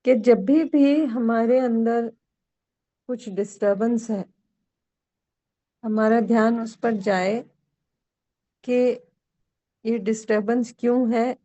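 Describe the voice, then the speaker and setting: A woman teacher giving a calm, unhurried spiritual lesson and explaining ideas gently to her class. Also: fairly high pitch.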